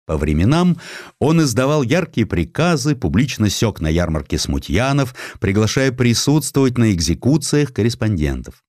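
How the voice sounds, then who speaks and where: A man narrating a dramatized audiobook in an expressive, theatrical storytelling manner. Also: mid-range voice, normal speed, no room sound, clean studio sound.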